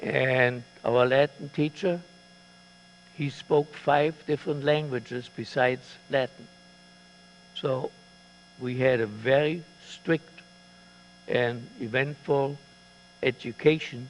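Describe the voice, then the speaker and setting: This man with a German accent speaks at a very slow pace in a medium pitch, with fairly even intonation and long, frequent pauses. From Germany, Berlin. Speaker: war veteran. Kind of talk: interview.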